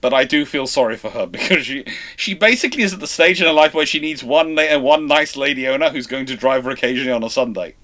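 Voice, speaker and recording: A British man hosting a live question-and-answer stream on naval history, chatting casually and teasing a co-host, with loud animated bursts of emphasis. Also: medium pitch, quick pace, few pauses. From Britain. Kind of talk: live Q&A chat.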